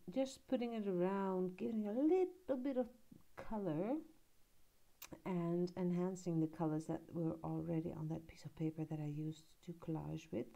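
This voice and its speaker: A woman giving a relaxed, rambling voiceover about her art journal page, pausing often and filling gaps with little hesitations. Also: lowish voice, creaky, dull audio. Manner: relaxed, rambling, with many pauses and fillers. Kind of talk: casual voiceover narrating her crafting. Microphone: voiceover recorded at her laptop.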